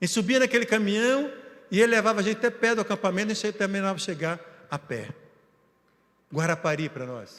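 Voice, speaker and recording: Speaking very fast with lively intonation, a man uses a high pitch. He leaves long, frequent pauses. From Minas Gerais, Brazil (Baixo Guandu area). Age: 60s. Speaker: preacher. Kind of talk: sermon. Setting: church. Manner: animated.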